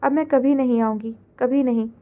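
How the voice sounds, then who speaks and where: A woman's voice: high-pitched, fairly even intonation, moderate pace, phone-quality sound, natural voice. A woman voicing a heartbroken young woman who speaks through tears, reproachful and pleading. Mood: tearful.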